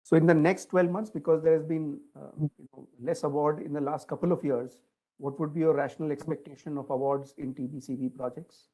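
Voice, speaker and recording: A man's voice: fairly high pitch, steady tone, fairly quick, dark tone, rough recording. A man asking detailed questions as an analyst on an earnings call, polite and hesitant.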